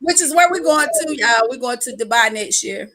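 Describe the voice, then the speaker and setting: A woman chatting casually on a live stream, telling loud, laughing stories full of frank slang. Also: a little high, animated, normal speed, background noise. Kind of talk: casual chat.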